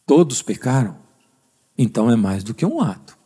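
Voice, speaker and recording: Man, Brazilian Portuguese accent, pastor, sermon, conversational, lively pitch, slightly raspy. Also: moderate pace. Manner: conversational, quizzes the congregation with rhetorical questions. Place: church service.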